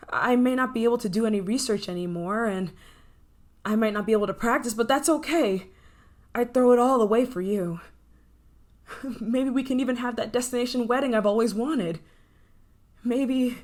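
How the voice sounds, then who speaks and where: A woman's voice: fairly high pitch, darkish tone, lightly acted. A woman playing an obsessive, menacing scientist in an intense, possessive ASMR roleplay. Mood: hopeful, lovesick. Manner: intense, pleading, possessive, dramatic pauses. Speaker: voice actor in audio roleplay.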